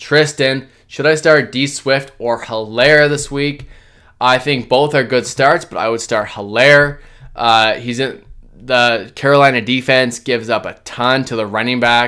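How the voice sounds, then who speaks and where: A man speaks loud and fairly slow, with a bright, sharp tone at medium pitch. His intonation is fairly even on a very clean recording with a silent background. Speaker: fantasy football podcast host. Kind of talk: live Q&A stream. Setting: livestream. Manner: casual, conversational.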